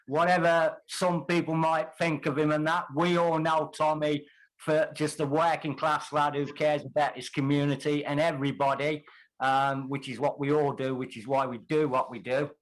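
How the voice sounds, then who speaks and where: A man in his fifties with a Black Country accent, speaking earnestly and haltingly on a group video call. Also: fairly high pitch, low-quality recording. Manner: earnest, hesitant, restarts often.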